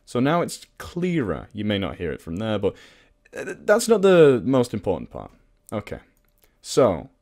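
A man presenting a casual software tutorial in an informal, self-deprecating, sweary way. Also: mid-range voice.

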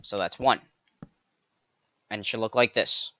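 A man narrating a step-by-step game building tutorial, counting blocks aloud with playful jokey asides and a slightly raspy voice. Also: fairly low pitch, unhurried, pushed and bright, dry recording, lo-fi sound. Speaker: pixel art tutorial creator.

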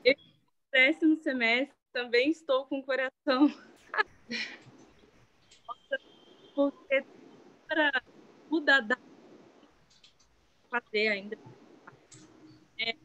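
A young woman with a high, bright voice speaks slowly and hesitantly as a law student on a video call. Her audio is glitchy and keeps cutting out. The sound is muffled and distant, like a poor call connection. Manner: halting, hesitant. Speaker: law student asking a question. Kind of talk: asking a question in an online Q&A.

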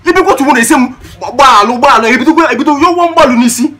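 Fast, high-voiced mocking Nigerian son. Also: male voice, sharp tone. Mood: exasperated. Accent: Nigerian Igbo. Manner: sarcastic, repetitive, code-switching. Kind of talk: comedy film acting in English and Igbo.

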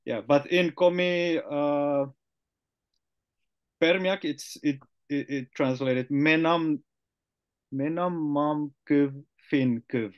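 A young man with a Finnish accent, a native Finnish speaker, hosting a casual interview over a video call and slowly trying out new words. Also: on the high side, steady tone, clean tone, highs cut off. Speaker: podcast host. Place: small room indoors.

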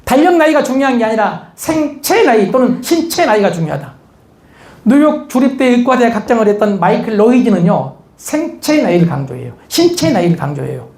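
A man with a notably high voice delivers a lively motivational lecture to a live audience. He teases the crowd, throws rhetorical questions at them and jokes along the way. The sound rings with the echo of a large lecture hall. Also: brisk, gravelly.

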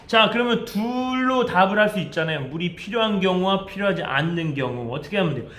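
A man with a fairly high voice teaches basic English phrases in a roomy, echoing space. He pulls the English sentences out slowly and clearly. Between them he explains quickly and coaxes the viewers along with friendly questions. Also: expressive, pushed and bright. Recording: roomy echo.

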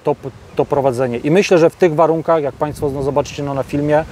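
A man hosting a casual interview outdoors in a farm field, talking in a halting way with many filler sounds. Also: a little high, steady tone, a little mellow, slight background noise. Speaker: host.

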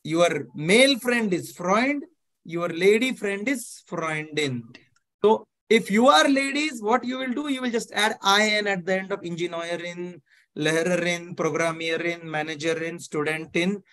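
A man's voice: high voice, measured pace, a bit bright. A man in his thirties with an Indian English accent, teaching a live online German class and often checking that students follow. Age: 30s. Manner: explains step by step, checks understanding often, mixes Hindi. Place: indoor room, video call.

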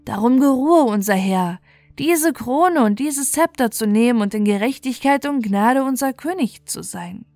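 Woman as a solemn, proclaiming high priest. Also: lively intonation, measured pace, darkish tone, dry recording. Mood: solemn reverence. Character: solemn, reverent priests and officials hailing their lord.

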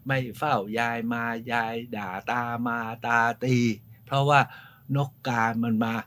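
A man's voice: mid-range voice, unhurried, a little hiss or hum. Man leading a chatty temple tour. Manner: lively storyteller, polite, often adds polite particles. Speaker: host and tour guide. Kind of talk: informal guided-tour storytelling. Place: outdoors at a temple.

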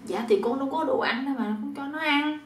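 A woman with a Southern Vietnamese accent voicing a sly young son-in-law who talks in a soft, coaxing, pleading way. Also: high-pitched, quick pace, recorded from a distance, voice pushed up, natural voice. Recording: roomy echo.

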